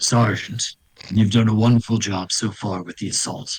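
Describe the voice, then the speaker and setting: Putting on a character voice, a man speaks at a medium pitch. His pace is moderate and his intonation fairly even. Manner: commanding, praising.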